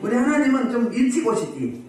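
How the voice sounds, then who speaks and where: A woman pastor delivers a lively sermon, her pitch swinging widely as she scolds and questions the congregation. The recording is very echoey and comes from a church hall, with the voice set back from the microphone. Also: fairly quick. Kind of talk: sermon at a healing service. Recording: very echoey hall, voice far from mic.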